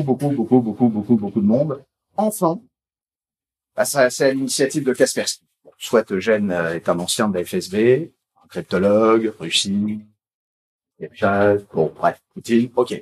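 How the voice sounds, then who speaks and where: A man presenting at a technical conference, talking in a loose, chatty way. He stumbles through restarts, fillers and repeated words as he goes. His voice sits at an ordinary middle pitch. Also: darkish tone. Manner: rambling, halting delivery with many fillers and repeated words; informal, chatty tone. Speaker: conference speaker.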